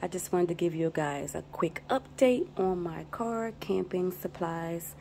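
A woman who hosts a vlog channel narrates a casual show-and-tell indoors, filming on a handheld phone that picks up noticeable background noise. Her voice is lowish, warm and creaky, and she moves at a measured pace.

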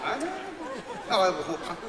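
A man's voice: sits high, expressive, a little fast, a crowd in the background. A man playing the straight man in live crosstalk comedy, firing back stubborn, indignant retorts. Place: large theater stage. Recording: echoey hall, loud live audience.

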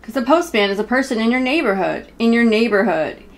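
A woman's voice: a little high, animated, fairly quick. A woman in her thirties reading a picture book aloud to children, informally and speaking straight to her young listeners. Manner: informal, self-interrupting, speaks directly to young viewers. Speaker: children's story reader. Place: small room at home, indoors.

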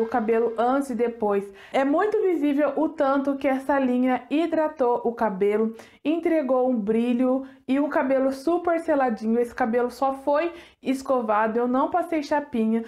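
A woman's voice: sits high, a little mellow. A woman in her thirties from Brazil, reviewing hair products to camera in a chatty, enthusiastic way with self-mocking jokes. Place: small home studio with decorated shelves.

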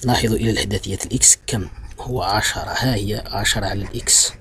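A male math teacher with a low voice explains a problem slowly and patiently. He repeats each step, pauses on fillers and corrects himself. A faint hiss of noise sits behind his voice. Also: fairly even intonation, pushed and bright. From Algeria. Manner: patient, repetitive, addresses students as "my children"; many fillers and self-corrections. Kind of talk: blackboard-style math lesson.

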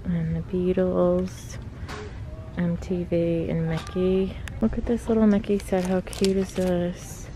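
Low, even-toned woman chatting casually. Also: slow pace, poor audio. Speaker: shopping vlogger. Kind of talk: casual shop-with-me commentary. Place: inside a large retail clothing store. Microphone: handheld camera mic, speaker behind camera. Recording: faint background noise, store ambience.

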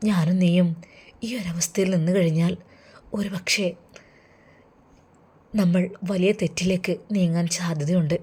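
A woman voicing a tender, devout Arab man who speaks softly and earnestly to a young woman. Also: fairly low pitch, fairly even intonation, unhurried, pauses often, breathy edge. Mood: gentle, earnest. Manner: soft, hushed, pleading.

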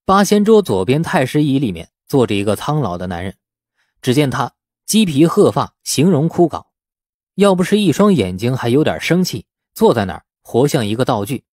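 A man narrating a novel as an audiobook, telling the story in an expressive, dramatic scripted style. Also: mid-range voice, moderate pace, no echo, studio quality.

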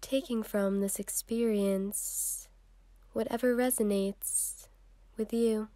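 A woman leading a guided meditation in a soft, soothing, unhurried way with long pauses, breathy at times. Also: mid-range voice, fairly even intonation, no echo.

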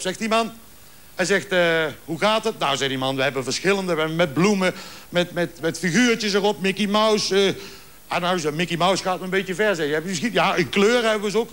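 A man telling long jokes on a television show, acting out the dialogue as he goes. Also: high-pitched. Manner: lively storyteller acting out dialogue. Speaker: joke teller. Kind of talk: stand-up joke telling.

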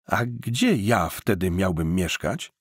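A man voicing a naive, doubtful young man in an audiobook, speaking in a slow, wary, questioning way. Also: sits low, expressive, breathy edge, no echo, studio quality, exaggerated voice.

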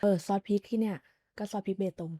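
A woman co-hosting a podcast, casually and eagerly piling on quick details. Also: medium pitch, level tone, dark tone, dry recording, studio quality. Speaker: podcast co-host. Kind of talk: casual chat.

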